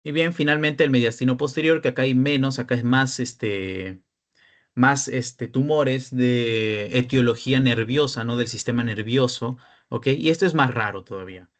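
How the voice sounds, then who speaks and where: Steady and unhurried, a young man's mid-range voice carries a Peruvian Spanish accent. Acting as a peer tutor in an online lecture, he breaks the material down step by step and frequently asks how the students are doing.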